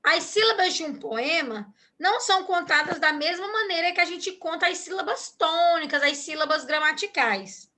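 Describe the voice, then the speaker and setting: Bright, high-voiced woman teaching slowly. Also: expressive. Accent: Brazilian Portuguese. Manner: patient, checks understanding often. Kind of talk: online class explanation.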